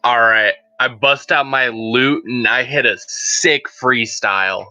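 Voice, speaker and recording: A man's voice: mid-range voice, takes it slowly, pushed and bright, no echo, soft background music. A man playing a tabletop game, playful and enthusiastic. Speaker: player.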